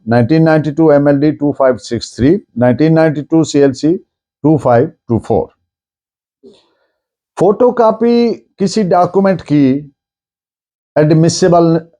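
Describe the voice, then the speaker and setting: Higher-pitched, mellow Pakistani man lecturing. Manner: deliberate, repeats and rephrases key points in Urdu and English legal terms. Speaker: law lecturer. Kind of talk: explanatory lecture with dictated points.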